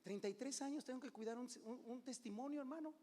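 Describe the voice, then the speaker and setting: Pastor preaching in a reverberant church. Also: male voice, extremely high pitch, fast. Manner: conversational preaching, calls "hermano" often, swings between loud and hushed. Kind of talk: sermon. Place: church sanctuary. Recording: long hall reverb.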